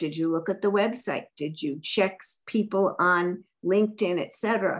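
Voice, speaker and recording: A woman with an American accent and a plain, everyday voice speaks at a fairly slow pace in a medium pitch with ordinary pitch variation against a quiet background. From US Midwest, Chicago. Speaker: author and keynote speaker on networking. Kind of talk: podcast interview.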